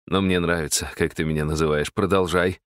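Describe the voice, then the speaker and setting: A man's voice: sits low, fairly even intonation, a little fast, smooth, no room sound, clean studio sound, close to an everyday voice. A man voicing a smug, scheming man who fakes a grumble, in an audiobook.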